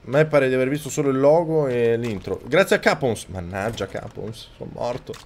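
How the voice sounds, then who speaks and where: A man streaming a video game live, talking close to his microphone, yelling and swearing at the game and thanking viewers. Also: medium pitch, expressive, fairly quick. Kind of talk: live gameplay commentary. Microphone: microphone very close to the mouth.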